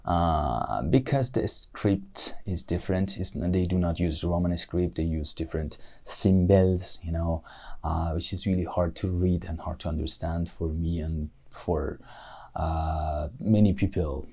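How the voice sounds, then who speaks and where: A young man whose first language is Persian, answering speaking-test questions in English with a Persian accent, pausing often on "uh" and correcting himself as he goes. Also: low voice, steady tone, darkish tone. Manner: thoughtful, with frequent "uh" and self-corrections. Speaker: IELTS speaking test candidate. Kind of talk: exam-style spoken answers.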